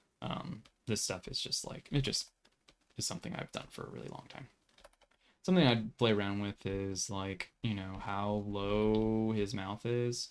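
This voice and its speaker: This is an unremarkable speaking voice at a moderate pace with ordinary pitch variation. The loudness swings widely. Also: man, fairly low pitch for a man. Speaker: 3D character artist giving feedback. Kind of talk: tutorial. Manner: casual, filler-heavy.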